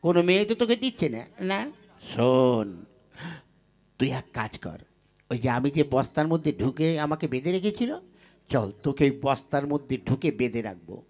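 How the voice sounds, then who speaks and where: A man's voice: medium pitch, very animated, fairly quick, darkish tone, lightly acted. A man voicing a sly, boastful young village rogue who talks in a wheedling, colloquial way in a comic puppet play.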